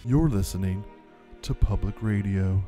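A man playing a dull, sedate public radio host in a measured, boring manner. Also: on the low side, soft background music, voice pushed down, lightly acted. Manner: soft-spoken, measured, boring.

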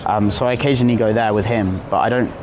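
With a lowish voice and a fast pace, a twenty-something dating coach gives relaxed, chatty, playful commentary on a busy street for his street approach vlog. Traffic noise from the city fills the recording.

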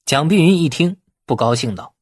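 A man's voice: on the high side, lively intonation, moderate pace, husky, no echo, studio quality. A man narrating a novel as a scripted dramatic audiobook.

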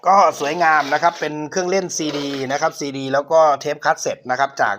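A man's voice: a little high, fairly bright tone, slight background noise. A middle-aged man hosting his own channel, politely showing viewers an old cassette player and talking to them often. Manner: polite, repeatedly addresses viewers. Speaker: channel host reviewing a cassette player for sale. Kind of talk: casual product demo.

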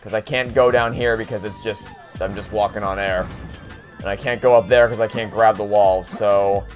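A man's voice: on the low side, fairly even intonation, moderate pace, soft background music. A young man giving sarcastic, exasperated commentary while playing a video game, swearing and complaining often. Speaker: let's play host. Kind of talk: profane frustrated gameplay commentary.

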